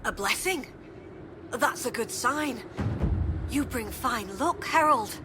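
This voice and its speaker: Hearty, high-pitched tribal huntress. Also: female voice, lively intonation, takes it slowly, music in the background. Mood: pleased. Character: hearty, devout tribal huntress, eager for a fight. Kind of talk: video game dialogue acting. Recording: clear background noise of game ambience.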